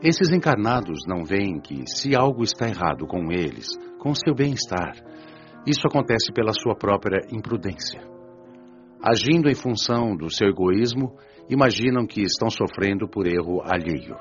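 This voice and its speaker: A man's voice: fairly low pitch, expressive, normal speed. A man playing a patient, earnest father who teaches like a preacher in a radio drama, didactic and solemn. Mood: earnest, instructive. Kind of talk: audiobook radio drama, sermon-like lecture. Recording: dull lo-fi audio with music behind. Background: music.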